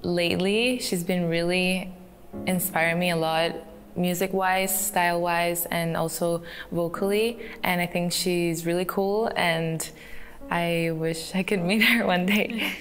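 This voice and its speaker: A teenage woman from Canada answering interview questions in a soft, giggly way with many ums, filmed in a photo studio. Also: on the low side, steady tone, a little slow. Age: teens. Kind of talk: recorded profile interview. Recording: clip played with faint music.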